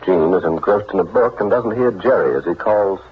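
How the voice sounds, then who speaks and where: A man narrating an old-time radio drama in a formal, measured announcer style, heard as a vintage radio broadcast. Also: low-pitched, breathy edge. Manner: formal, measured storytelling delivery. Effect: old-time radio broadcast sound. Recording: muffled vintage radio recording with music. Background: music.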